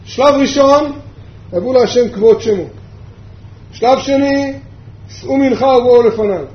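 High-voiced rabbi in an echoey room. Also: male voice. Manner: asks the class rhetorical questions, repeats key points. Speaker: rabbi teaching a yeshiva class. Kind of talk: Torah lesson. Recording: echoey room, dull sound, faint background hum.

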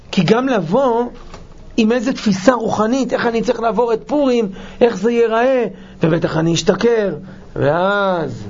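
A high-pitched man delivers a heartfelt sermon and slips wry jokes in among the earnest parts. The recording sounds dull and lo-fi. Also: darkish tone. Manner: passionate and emotional, with wry humor. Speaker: preacher.

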